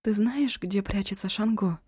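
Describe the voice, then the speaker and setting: A woman voicing a timid, anxious young woman who speaks cautiously and sometimes breaks into shouts. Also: mid-range voice, unhurried, slightly rough, no room sound, studio quality, pitched above the performer's own voice.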